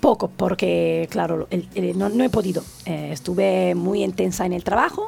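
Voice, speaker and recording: Music in the background behind a woman with an Italian accent at a moderate pace. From northern Italy (Biella area). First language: Italian (speaking Spanish). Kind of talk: radio interview. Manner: halting.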